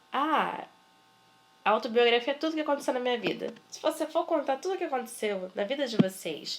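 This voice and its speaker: A woman with a high pitch and lively intonation talks over noticeable background noise. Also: fairly quick pace. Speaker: schoolteacher. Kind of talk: online class lecture.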